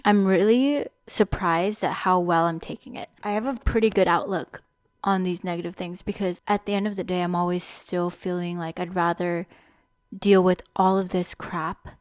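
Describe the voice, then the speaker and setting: A woman's voice: lowish voice, darkish tone, no echo, clean studio sound. A young woman hosting a solo podcast, talking candidly and thinking aloud about what she has learned. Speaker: podcast host. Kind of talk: solo reflective podcast monologue.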